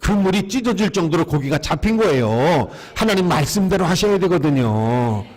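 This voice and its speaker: A male pastor preaches to his congregation in a high voice. He keeps asking them questions and having them repeat his lines back to him. The sound rings with the long reverb of a church sanctuary. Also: animated, moderate pace, a little mellow. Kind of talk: sermon.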